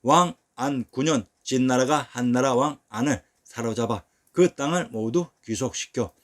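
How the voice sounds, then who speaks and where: A man giving scripted narration for a history channel, reading old texts in an even, measured way. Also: mid-range voice.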